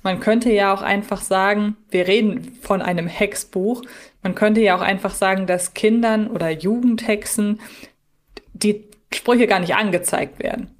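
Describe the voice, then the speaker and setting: Mid-pitched woman podcaster, questioning. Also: fairly even intonation, moderate pace. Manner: questioning, reasoning aloud. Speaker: podcast co-host. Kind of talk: casual analytical discussion.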